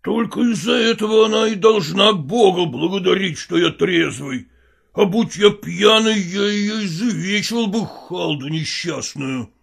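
A woman reading a story aloud, voicing a rough, bullying husband who drawls his threats slowly. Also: on the low side, animated, voice pushed up, exaggerated voice. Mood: menacing. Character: rough, bullying working-class husband, grown man. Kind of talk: audiobook character reading.

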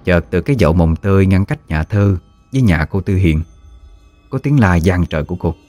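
A man narrating a ghost story in a measured, hushed way. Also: low voice, animated, soft background music.

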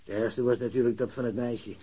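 An actor as a husky, worried old grandfather. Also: medium pitch, fairly even intonation, a little fast, dark tone, close to an everyday voice. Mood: resigned, plaintive. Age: older. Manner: plain-spoken, grumbling. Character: worried, aggrieved old working-class grandfather. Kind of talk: radio drama dialogue.

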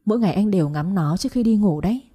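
A woman voicing a gentle young man who talks to his lover with devotion and reassurance. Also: mid-range voice, expressive, very fast, breathy edge. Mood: tender.

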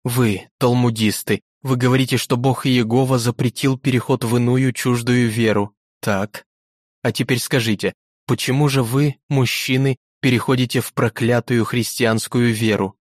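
A man's voice: medium pitch, fairly even intonation, normal speed, dry recording, studio quality, lightly acted. A man voicing a proud, defiant young woman on trial, speaking with indignant passion in a storybook reading. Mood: impassioned.

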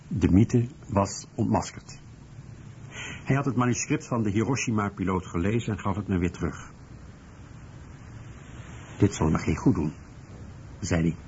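A man playing a sober researcher and author, telling his recollections in a measured, literary way as in a radio drama. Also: low-pitched, darkish tone, natural voice. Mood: sober, reflective. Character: male researcher and author, sober, recalling his last meeting. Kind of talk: scripted first-person narration in a radio documentary drama. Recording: muffled radio recording with background noise.

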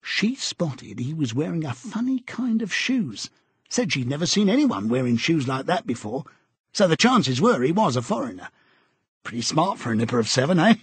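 Male reader putting on a loud hearty busybody guy, chummy and pushy, bit higher than his own voice, husky. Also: very animated, moderate pace, dry recording, heavily acted. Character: bluff hearty middle-aged man, eager busybody.

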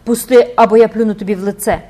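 A woman voicing a terrified, furious young gypsy woman who shouts in fear and rage in an audiobook. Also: a little high, fairly even intonation, quick pace, lightly acted.

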